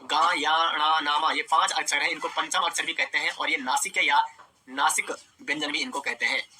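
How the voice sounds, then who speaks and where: A man's voice: fairly high pitch, fairly even intonation, normal speed, pushed and bright, slight background noise. A young man teaching Hindi grammar in an online exam-prep lecture, explaining step by step, asking his students questions and answering them himself. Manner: explains step by step with rhetorical questions, repeats "dosto" and "theek hai".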